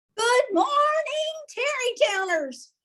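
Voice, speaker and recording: A woman puts on a squeaky character voice at an extremely high pitch. She speaks at a fairly slow pace, her pitch swinging very widely. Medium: stage play. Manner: warm, upbeat.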